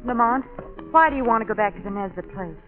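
An actress playing a brisk, curious, wisecracking lady companion to an investigator in an old radio drama. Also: on the high side, expressive, close to an everyday voice. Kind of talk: 1940s radio acting. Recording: tinny old radio, music bleeding in.

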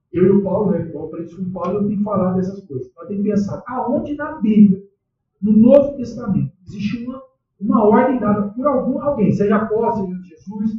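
Man, Brazilian Portuguese accent, pastor preaching in church, casual slangy questions, high voice, heavy echo, distant muffled mic. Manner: conversational, asks the congregation questions, slangy. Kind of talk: sermon. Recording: echoey church hall, distant dull mic.

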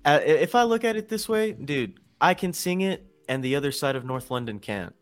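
A man's voice: fairly high pitch, lively intonation, a little fast, faint music behind. A man co-hosting a casual fan podcast, talking earnestly and in detail. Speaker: podcast co-host.

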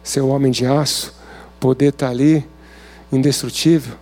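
A man's voice: mid-range voice, fairly even intonation, moderate pace, mellow. A man with a Brazilian Portuguese accent giving an informal sermon at a men's service, talking conversationally and asking many rhetorical questions.

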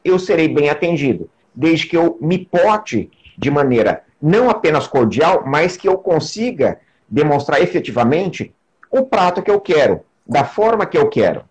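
Male host, husky voice, calm measured explainer. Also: a little high. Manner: measured, explanatory, with filler pauses. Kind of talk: conversational interview.

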